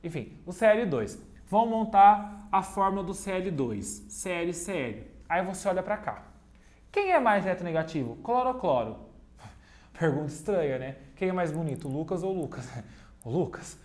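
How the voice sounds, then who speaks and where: A man's voice: high voice, big pitch swings, moderate pace. A man teaching a chemistry video lesson at a digital whiteboard. He repeats key points step by step, talks straight to his students and slips in playful jokes at his own expense. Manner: playful, cracks jokes and teases himself between explanations.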